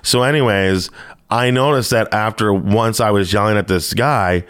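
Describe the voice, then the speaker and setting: A comedian from Ontario hosting a casual podcast chat, telling animated stories and acting out quotes. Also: male voice, on the low side, normal speed, smooth, no echo, studio quality. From Ontario, Canada. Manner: animated storyteller, acts out quotes.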